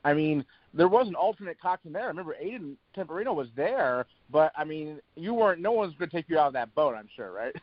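A man's voice: a little high, lively intonation, fast talker, hardly any pauses, no echo. A man hosting a college sports podcast, asking his guests questions in a conversational way. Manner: conversational, leads with recollections. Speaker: podcast host. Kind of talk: interview questions. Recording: dull lo-fi audio.

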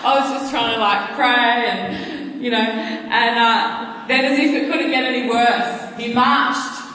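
A woman's voice: on the high side, fairly even intonation, takes it slowly. Woman preaching in an echoey hall. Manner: earnest, warm storytelling with frequent restarts. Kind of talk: sermon. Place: church hall. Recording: echoey church hall, faint noise.

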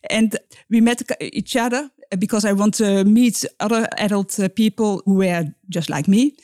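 A middle-aged woman, a guest expert on a podcast, speaking English in halting phrases that often restart. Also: medium pitch, fairly even intonation, darkish tone, dry recording, studio quality. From Netherlands. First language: Dutch. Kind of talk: podcast interview.

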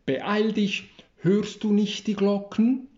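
A man reading the lines of a brisk, motherly old housekeeper woman in a storybook reading, in a roomy, slightly dull recording. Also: high voice, darkish tone, voice pushed up.

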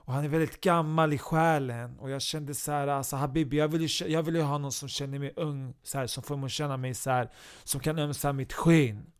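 A man's voice: fairly high pitch, steady tone, clean tone, lightly acted. A man voicing a chatty young woman guest in a comedy podcast sketch, breezy and unbothered.

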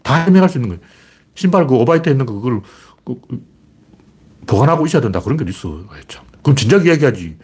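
A man delivers a casual monologue of commentary in a husky, slightly rough voice. He talks fast and bluntly. His pitch jumps around a lot as he fires rhetorical questions. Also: sing-song, a little mellow. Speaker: political commentator.

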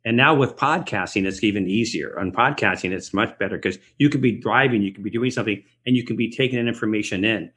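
Husky middle-aged man telling stories. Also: on the low side, fast talker, few pauses, a bit bright. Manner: rambling, reflective storytelling with restarts. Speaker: guest. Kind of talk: conversational podcast interview. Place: Los Angeles area.

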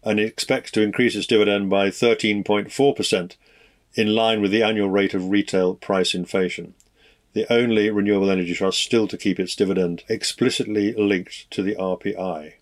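A man hosting a podcast, reading scripted financial market news in a measured, formal and fluent way. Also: on the low side, fairly even intonation. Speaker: podcast host.

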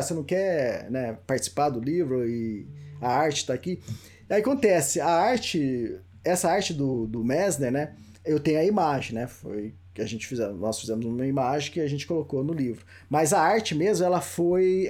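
Breathy Brazilian man telling stories. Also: on the high side, a little mellow. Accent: Brazilian Portuguese. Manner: laughing storyteller, acts out quoted voices. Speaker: author, podcast guest. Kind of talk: casual chat.

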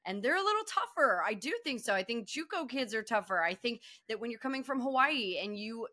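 A woman's voice: mid-range voice, pushed and bright. A woman co-hosting a sports podcast, reflecting conversationally and earnestly, repeating phrases for emphasis. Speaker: podcast co-host.

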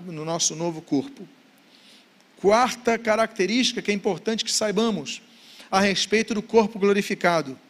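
A man giving a Bible study lecture, reading scripture passages aloud and posing rhetorical questions. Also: high voice. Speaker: Bible teacher.

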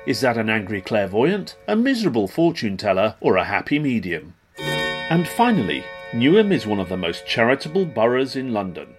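A man's voice: mid-range voice, big pitch swings, moderate pace. Guy reading joke news headlines, really swoopy delivery, music playing behind him. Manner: tongue-in-cheek announcer delivery. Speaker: podcast announcer.

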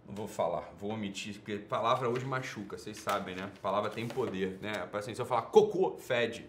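A man with a Brazilian Portuguese accent, hosting a livestream and ranting sarcastically at his viewers. He swings between low muttering and loud shouting. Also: a little fast, reverberant, slight background noise. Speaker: livestream host.

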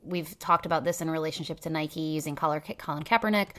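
Low voiced lady chatting on a podcast, cynical, lots of likes and you knows. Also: fast, a bit bright. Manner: cynical, hedging, many fillers. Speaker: podcast co-host; teacher. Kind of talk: casual podcast chat.

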